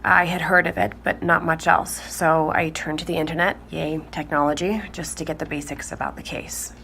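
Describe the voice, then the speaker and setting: An actress playing a woman who recounts her discovery in halting, natural speech in an audio drama. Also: sits low, level tone, creaky, pushed and bright, heavily acted. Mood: uneasy. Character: shaken woman recounting her grandfather's secret tapes. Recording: faint background noise.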